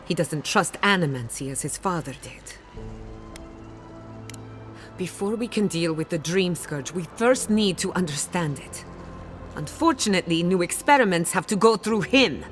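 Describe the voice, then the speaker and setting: A woman's voice: on the low side, expressive, normal speed, soft background music, natural voice. A woman playing a passionate, defiant scholar of soul science in a fantasy video game, speaking with dramatic, pointed emphasis. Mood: earnest, determined. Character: passionate, defiant female animancer fighting for her blighted land. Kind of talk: video game character acting.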